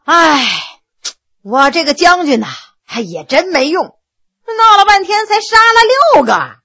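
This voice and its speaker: A woman's voice: high-pitched, sing-song, slow pace, full character voice. A woman voicing a brash, mocking male general who teases and laughs at his judges in a spoken storytelling. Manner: teasing, laughing, loud outbursts.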